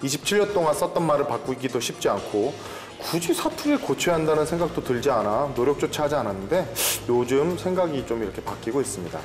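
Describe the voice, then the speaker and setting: Male panelist, animated storyteller, mid pitch, reverberant studio, faint music. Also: quick pace, hardly any pauses. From Korea, moved around the country as a child. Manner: animated storyteller who slips into a dialect when excited. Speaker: career consultant on a panel. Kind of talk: reading a letter, then casual panel chat.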